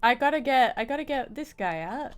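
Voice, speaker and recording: A woman's voice: high voice, expressive, a little fast, clean tone. A woman chatting casually on a gaming livestream, playful and often repeating her phrases. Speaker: game streamer.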